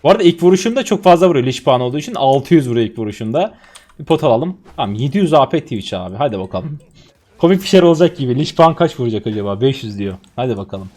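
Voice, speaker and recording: A man in his twenties from Turkey, streaming a game and commenting on his play, swinging from low muttering to loud excited outbursts. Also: rapid-fire. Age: 20s. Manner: swings from muttering to shouting and laughing.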